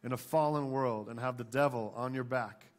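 Male pastor, forties, American accent, medium pitch, emphatic sermon delivery from a church stage. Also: moderate pace. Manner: emphatic, repeats questions and key phrases.

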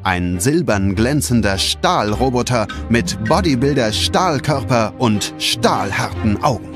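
A man's voice: mid-range voice, lively intonation, a little slow. A man narrating a scripted children's audio play as a dramatic storyteller. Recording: music behind the voice.

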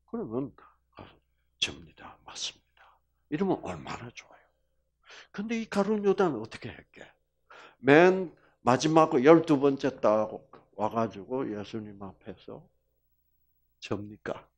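Guy preaching slow and animated, loud then whispery, cracks jokes. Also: medium pitch. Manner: swings from loud emphasis to hushed whispers, jokes and laughs; slow, drawn-out emphasis. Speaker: health lecturer. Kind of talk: lively sermon-style lecture.

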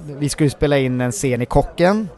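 A man, an actor guest in a casual interview, telling stories from film sets in a rambling, animated way with many filler words. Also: mid-range voice.

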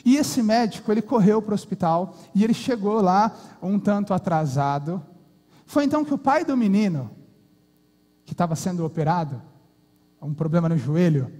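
A man's voice: high-pitched, lively intonation, moderate pace, warm tone. A Brazilian man preaching a sermon and telling folksy stories in a church hall. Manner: folksy, colloquial storyteller. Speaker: pastor. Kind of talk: sermon with storytelling. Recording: long hall reverb.

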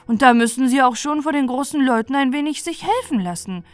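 A woman voicing a kind, sensible aunt who talks to children in a gentle, instructive way, in a storybook. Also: high voice, animated, fairly quick, dry recording, pitched above the performer's own voice. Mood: explaining.

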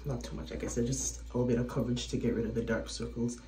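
A woman's voice: a bass voice, very fast, echoey room, heavy background noise. Chatty woman, a bit throaty. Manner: chatty, relaxed, talks while doing makeup. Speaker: vlogger. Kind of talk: casual vlog chat to camera. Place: small indoor room, by a window. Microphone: phone camera close up.

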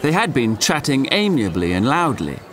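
An actor playing a medieval companion who recounts events as a dramatic audio drama narrator. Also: male voice, medium pitch, big pitch swings, moderate pace, crowd noise, natural voice. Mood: solemn, vivid. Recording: music behind.

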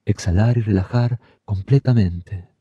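A man leading a guided meditation, giving calm, soothing, unhurried instructions. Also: fairly low pitch, husky, no echo, lo-fi sound.

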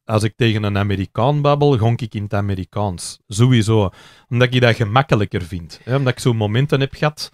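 A man's voice: on the low side, dry recording, studio quality. A man with a Flemish accent hosting a podcast, talking at length in a rambling, chatty way. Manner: talkative, rambling explanations with quick asides. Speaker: podcast host. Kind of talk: casual podcast conversation.

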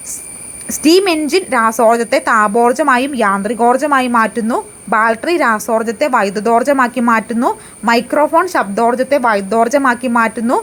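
A woman's voice: fairly high pitch, a bit bright. A woman teaching an exam prep lesson. She asks questions and answers them herself, repeats key facts and often hesitates and restarts.

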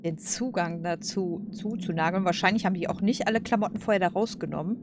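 Woman, lowish voice, casual let's play commentary, colloquial, hesitant, thinking aloud, clearly noisy background. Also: fast talker.

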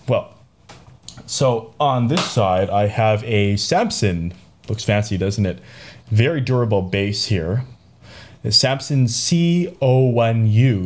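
Slightly low-voiced man, casual and playful tutorial host, chatting into a handheld recorder at his home desk. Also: warm tone. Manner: chatty, playful, talks while fiddling with gear. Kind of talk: casual tech demo. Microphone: handheld portable recorder.

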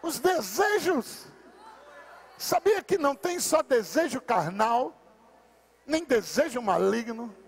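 High-voiced Brazilian pastor shouting praise. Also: male voice, big pitch swings, takes it slowly, long pauses, husky. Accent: Brazilian Portuguese. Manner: fervent, shouts exhortations to the congregation. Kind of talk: preaching a sermon. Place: church service.

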